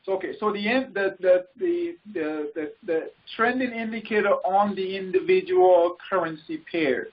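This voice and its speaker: A man leading a group call as a coach, informally explaining things in halting, repeated phrases and often checking in. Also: high voice. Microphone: conference call line. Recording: muffled, noisy conference call audio with clicks.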